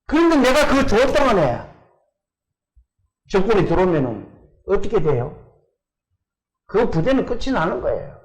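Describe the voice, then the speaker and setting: A man's voice: sits high, sing-song, normal speed, pauses often, low-quality recording. An older man from South Korea, preaching a sermon in church and putting questions to his congregation. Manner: asks the congregation questions and answers them himself. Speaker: pastor.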